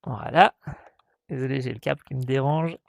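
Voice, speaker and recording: A man hosting a tech tutorial, talking step by step with many hesitations and playfully voicing what the software asks him. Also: medium pitch, normal speed, vocal fry, dry recording, studio quality. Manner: hesitant, many "euh" fillers, reads out codes step by step; voices the software in playful mock dialogue. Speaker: tutorial host. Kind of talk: screen-recorded tech tutorial.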